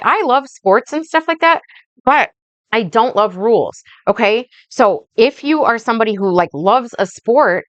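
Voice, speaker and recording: A woman life coach rambling through a casual vlog monologue, slow and blunt, swearing freely and checking in with "right?" and "okay?". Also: mid-range voice, smooth, dry recording. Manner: speaks slowly.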